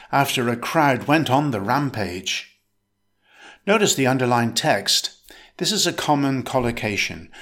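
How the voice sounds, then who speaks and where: A man giving a scripted English vocabulary lesson, speaking deliberately and slowing down to model each word. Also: mid-range voice, a bit bright. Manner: measured, deliberate delivery, slowing to model words. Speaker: English pronunciation teacher.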